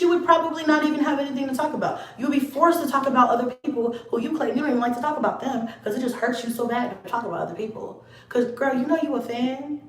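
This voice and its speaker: A young woman with a high voice delivers a blunt, profane vlog rant aimed straight at a rival. She sits some way back from the mic, so the room rings around her words. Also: a little hiss or hum. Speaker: YouTuber. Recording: echoey room, mic at a distance.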